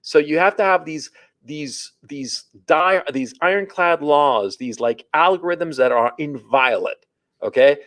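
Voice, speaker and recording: A man in his forties, a podcast host, telling a story and giving dating advice in a blunt, crude, animated way. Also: on the high side, unhurried, dry recording. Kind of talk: casual dating-advice talk.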